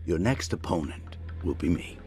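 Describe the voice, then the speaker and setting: Stern old kung fu master. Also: male voice, low voice, animated, moderate pace, a little mellow. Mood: cool menace. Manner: stern, clipped, menacing. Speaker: martial arts master. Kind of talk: animated film acting. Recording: film soundtrack with prominent music.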